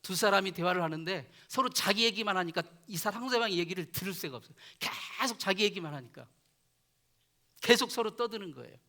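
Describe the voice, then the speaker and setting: A male pastor delivers an earnest sermon, his voice sitting high and sounding bright and forward. He swells on key words, then lets each phrase sink quietly at its end. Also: fast, hardly any pauses. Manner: earnest preaching, voice dropping soft at phrase ends. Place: church chapel.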